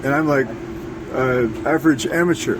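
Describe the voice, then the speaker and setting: A man interviewing casually in a halting, rambling, digressive way. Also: fairly even intonation. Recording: noisy, air conditioning and traffic rumble.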